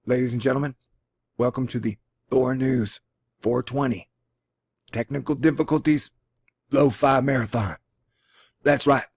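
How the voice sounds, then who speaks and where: A man's voice: mid-range voice, fairly even intonation, unhurried, pauses often, darkish tone, breathy edge, no room sound. A man with a Texan accent hosting a casual one-take vlog, reading a science article aloud with jokey, self-deprecating asides. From Texas. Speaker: channel host. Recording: dry, close lo-fi home recording.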